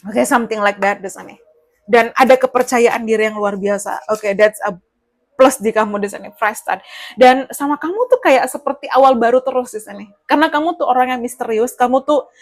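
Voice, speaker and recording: A woman's voice: on the high side, a little fast. A woman giving a casual tarot reading straight to the listener, chatty and rambling. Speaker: tarot reader.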